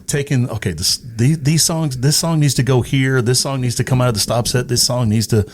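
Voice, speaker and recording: A man's voice: mid-range voice, a little fast. A middle-aged man from East Texas chatting casually as an interview guest, repeating words as he thinks his way through memories. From East Texas, United States. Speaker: interview guest, radio personality. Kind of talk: casual chat, reminiscing. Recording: noticeable background noise.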